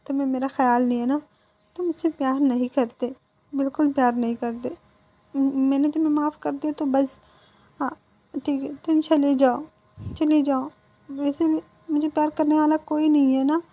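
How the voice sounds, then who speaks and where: A woman voicing a pouting, clingy young man who whines and reproaches in a soft storyteller's voice. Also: high voice, little pitch movement, moderate pace, voice pushed up, natural voice. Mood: tearful. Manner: whiny, reproachful.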